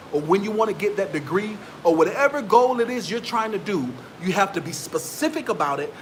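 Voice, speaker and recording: A man's voice: high voice, fairly bright tone, slight background noise. A man, giving motivational business advice straight to his viewers in a preachy, repetitive way. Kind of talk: motivational talk to camera.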